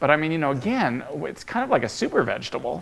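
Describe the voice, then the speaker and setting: With vocal fry and very wide pitch swings, a man talks at a very fast pace. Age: 60s. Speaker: priest and TV show host. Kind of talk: casual chat. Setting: TV studio.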